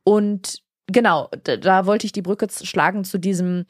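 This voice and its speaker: A woman's voice: lowish voice, steady tone, brisk, dry recording, studio quality. A woman in her thirties co-hosting a podcast, speaking earnestly and reflectively in a long casual conversation. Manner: earnest, reflective, talks at length with many restarts. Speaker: podcast co-host.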